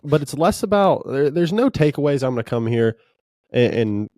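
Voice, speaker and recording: Man with a dark, dry voice. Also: medium pitch, moderate pace, no echo. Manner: relaxed, rambling with frequent fillers. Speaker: podcast host. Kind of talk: casual sports podcast chat.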